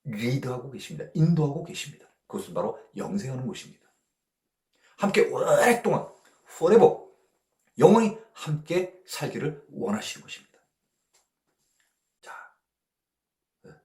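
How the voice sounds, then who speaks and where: A male pastor leads a Bible study in a relaxed, conversational style, often checking in through short tag questions and chuckling lightly between points. His pitch moves widely and his moderate pace is broken by frequent pauses, with noticeable room echo on the recording.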